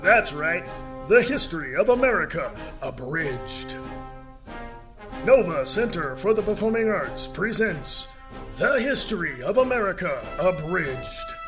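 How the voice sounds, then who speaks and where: Slow, higher-voiced man narrating over music. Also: big pitch swings. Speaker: radio theater announcer and narrator. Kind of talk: scripted radio narration and promo reads.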